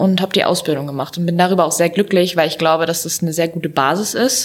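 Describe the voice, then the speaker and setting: A woman talks at a fairly quick pace with ordinary pitch variation. Hers is a plain, everyday voice, fairly low in pitch. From Bavaria, Starnberger See. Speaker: hotel professional. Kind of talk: panel discussion. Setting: hotel industry conference.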